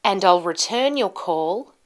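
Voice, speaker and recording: A woman in her thirties giving a scripted pronunciation lesson, enunciating carefully and deliberately with marked word stress. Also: mid-range voice, expressive. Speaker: pronunciation teacher. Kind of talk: instructional lesson to camera, scripted. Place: small indoor studio with plain backdrop.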